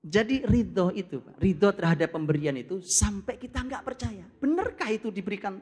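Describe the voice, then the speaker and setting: A man preaching from scripture, lively and direct, who often turns to his listeners and acts out little dialogues. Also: high-pitched, brisk, husky. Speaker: Islamic preacher. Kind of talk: Quran study talk.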